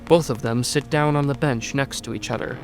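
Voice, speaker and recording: Casting: woman narrator with a remarkably deep voice, reading story narration over soft music. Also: fairly quick.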